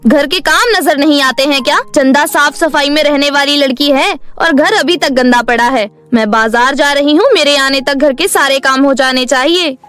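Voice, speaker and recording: A woman voicing a harsh, bitter stepmother in a cartoon moral story, sharp-tongued, sarcastic and nagging. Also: high voice, normal speed, hardly any pauses. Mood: bossy. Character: harsh, bitter, scolding middle-aged stepmother. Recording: faint music bed behind voice.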